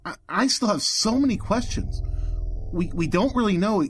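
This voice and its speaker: A man's voice: sits high, animated, normal speed, slight background noise. A man playing an earnest, inquisitive student in an audio drama, bookish and a little hesitant. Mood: curious, earnest.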